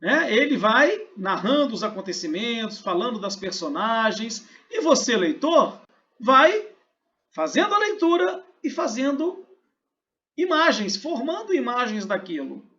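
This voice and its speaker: Brazilian male teacher, animated delivery, dull lo-fi sound, talks students through a lesson. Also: very high-pitched, a little slow. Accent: Brazilian Portuguese. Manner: explanatory, asks and answers his own questions. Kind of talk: recorded online class.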